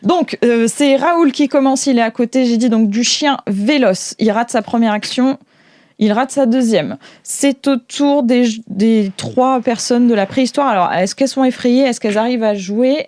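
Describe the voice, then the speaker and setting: A woman's voice: a little high, a little mellow, no echo. A woman running an improvised tabletop role-play game as game master, talking informally and hesitantly with playful little sound effects.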